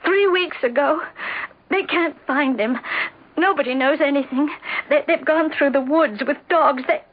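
An actress playing a distraught, insistent wife in a 1970s radio drama, speaking in halting, anxious repetitions. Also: female voice, high-pitched. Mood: distressed. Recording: dull vintage radio recording.

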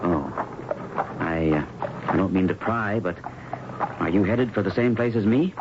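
An actor playing an earnest, friendly, awkward young doctor in a radio drama, talking in a hesitant, bumbling way. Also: male voice, low-pitched, measured pace. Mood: awkward, eager. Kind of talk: 1970s radio drama acting. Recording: dull, noisy old radio recording.

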